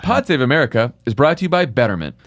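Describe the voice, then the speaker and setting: A man's voice: medium pitch, sing-song, fast talker, fairly bright tone, no echo. A man hosting a podcast reads a sponsor ad in a chatty way. His voice sits in the middle range, and the sound is dry and close. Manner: chatty, breaks into laughs. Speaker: podcast host. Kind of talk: host-read ad.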